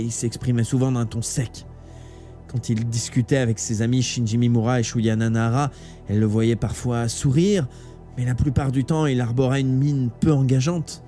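A man reading a novel aloud live, with steady, dramatic storytelling. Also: medium pitch. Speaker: audiobook reader. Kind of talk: live audiobook narration. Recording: faint background music.

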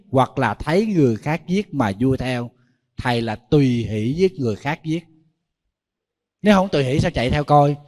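Monk preaching in a hall. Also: male voice, on the high side. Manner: storytelling, addresses listeners directly. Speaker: Buddhist monk. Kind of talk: sermon.

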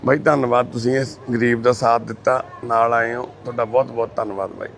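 A man's voice: medium pitch, steady tone, brisk, gravelly, fairly bright tone, a little hiss or hum. A man volunteering as a caregiver, speaking in a comforting, coaxing way and reciting prayers. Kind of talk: casual talk and prayer recitation.

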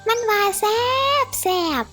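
A woman's voice: a little slow, a bit bright, soft background music, natural voice. A woman voicing a boastful old village grandmother, chatty and sing-song, with a Northeastern Thai Isan accent. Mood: bragging. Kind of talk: animated cartoon acting.

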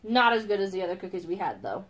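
A young woman from the United States chatting casually while unboxing snacks, giggly and animated. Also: mid-range voice, fast. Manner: giggly, animated, often laughing. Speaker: vlogger reviewing snacks. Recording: faint background noise.

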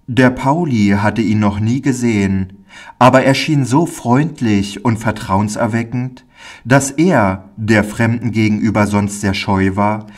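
A man narrating a Christian children's story in a calm, measured reading. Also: on the low side. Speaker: audiobook narrator.

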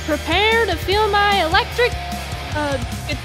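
Worm henchman, high voice, hesitant, eager to please, cartoon, music behind. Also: unhurried. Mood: bumbling. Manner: hesitant, fawning. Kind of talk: animated superhero cartoon acting.

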